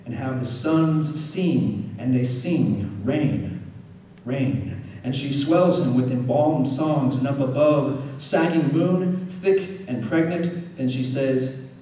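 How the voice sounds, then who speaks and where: Guy reading his poems at a live event, mellow voice, sounds far off in a big echoey room. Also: mid-range voice, slow. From Arizona, United States. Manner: relaxed chatty asides, animated when reading. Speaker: poet. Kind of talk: poetry reading. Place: poetry reading venue. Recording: roomy hall from a distance, faint noise.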